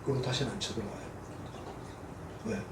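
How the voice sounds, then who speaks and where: A male pastor with a Gyeongsang Korean accent delivers a sermon in a church sanctuary, his mid-range, fairly bright voice very animated and brisk. He's folksy and humorous, acting out the voices he quotes. The mic sits at a distance in the echoey hall, with a little hiss or hum.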